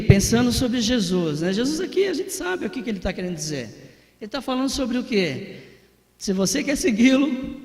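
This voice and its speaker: A man's voice: sits high, darkish tone, in a large hall. A Brazilian man, preaching a sermon and telling his own story in a conversational way, talking straight to the congregation. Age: 40s. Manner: conversational, addresses the congregation directly, tag questions. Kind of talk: sermon with personal testimony.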